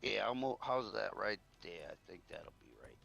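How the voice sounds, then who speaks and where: A man's voice: fairly low pitch, lively intonation, normal speed, gravelly, a bit bright, soft background music. A man talking casually in a folksy, informal way during game roleplay.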